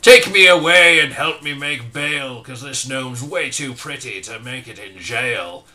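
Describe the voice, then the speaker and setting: Man, comic verse reader, very bright tone, mock-dramatic delivery with loud bursts. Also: medium pitch, a little slow. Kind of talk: comic dramatic poem reading.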